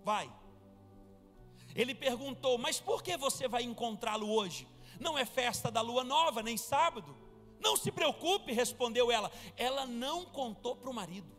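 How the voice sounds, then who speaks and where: A man's voice: extremely high pitch, animated, normal speed, a bit bright. A man, a pastor, preaching a fervent live sermon and calling the church to respond. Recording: reverberant church hall with music.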